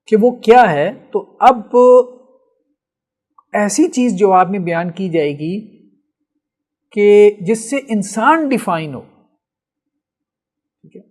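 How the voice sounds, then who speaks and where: A man with a high voice lectures on logic to his class. He moves patiently through each point, posing questions and answering them himself, and often stops to check that the students follow. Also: a little mellow. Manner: explains step by step, asks and answers his own questions; often checks with "theek hai". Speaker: teacher of logic.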